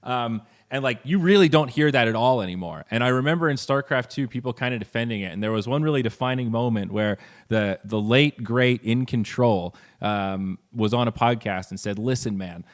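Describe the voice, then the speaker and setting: A man speaking as a guest on a podcast, talking casually and animatedly, swearing freely and jumping up in pitch when he stresses a point. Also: moderate pace, few pauses. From Finland. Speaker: podcast guest, esports commentator.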